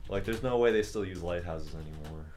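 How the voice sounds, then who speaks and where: A man chatting casually as a co-host, relaxed and thinking aloud, with lots of "like" and "I feel like". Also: low voice, a little fast. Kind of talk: casual chat.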